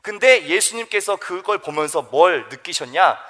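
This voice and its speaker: A young man, a youth pastor, preaching a sermon to teenagers in a lively storytelling way and asking them questions. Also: high-pitched, moderate pace.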